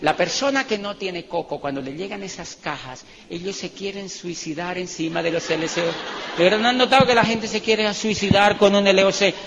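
A man's voice: high-pitched, a little fast, long reverb tail, slight background noise. A man giving a motivational seminar talk, acting out dialogue and building to emphatic peaks. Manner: animated, acts out dialogue, laughs, rises to emphatic peaks. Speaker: motivational speaker.

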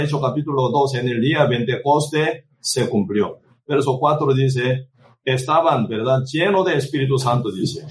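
A man preaching a sermon who tags nearly every phrase with a questioning "right?", restarts words and cites scripture by chapter and verse. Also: medium pitch. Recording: voice distant from the microphone.

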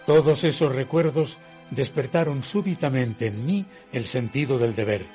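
An actor playing a reflective gentleman who narrates his own eerie tale in a radio drama, in a measured, literary manner. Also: medium pitch, soft background music, close to an everyday voice. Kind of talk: scripted first-person radio drama narration.

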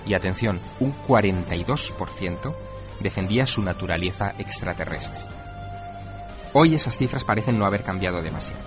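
A man reading scripted documentary narration with measured, dramatic emphasis. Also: deep voice, expressive. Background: music.

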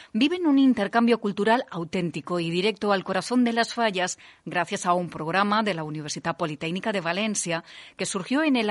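A woman presenting a university radio news bulletin in a clear, even, scripted newsreader delivery. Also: mid-range voice, no room sound. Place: radio studio.

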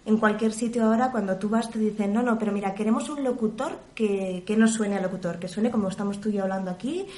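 A professional voice-over woman from Spain, chatting in an interview and explaining her work with lively examples. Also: mid-range voice, fast talker, roomy sound. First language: Spanish. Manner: animated, explains with examples and imitated sounds. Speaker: interview guest, professional voice-over artist and journalist. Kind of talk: relaxed conversational interview.

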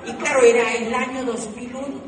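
A middle-aged Colombian man telling a live motivational story, animated, repeating phrases and laughing at himself. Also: very high-pitched, fairly quick, crowd noise. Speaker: motivational speaker. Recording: echoey hall, from far off, noisy.

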